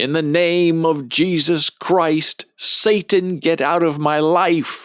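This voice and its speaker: A man with a high pitch and fairly even intonation speaks at a very slow pace, the sound dry and close with no echo. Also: very even loudness. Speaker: former radio DJ. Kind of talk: educational narration to camera.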